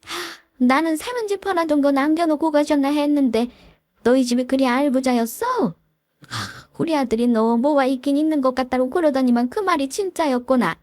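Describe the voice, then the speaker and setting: A woman putting on a shrill, high-pitched scheming mother-in-law from a storybook. She wheedles and pleads in a sharp, swooping voice, recorded close and dry with no room sound. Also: a little fast, no echo, natural voice. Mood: wheedling. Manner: wheedling, then wailing. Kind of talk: storybook voice acting.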